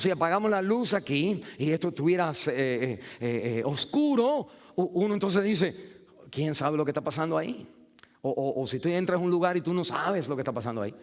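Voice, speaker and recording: A man preaching a sermon, building to shouts when he reads scripture. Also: mid-range voice. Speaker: pastor. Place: church sanctuary. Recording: reverberant church hall.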